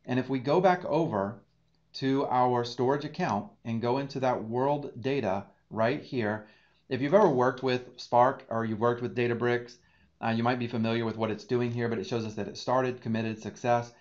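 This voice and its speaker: A man's voice: medium pitch, steady tone, moderate pace, a little mellow. Male instructor, 30s, explanatory tutorial read, slightly muffled home-office audio. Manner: explanatory, talks through each click. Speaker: data engineering instructor. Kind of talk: screen-share tutorial.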